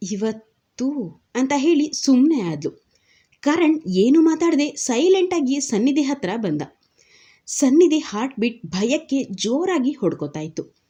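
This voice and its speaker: A woman narrating a serial novel in a steady, dramatic storytelling manner. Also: fairly high pitch, husky.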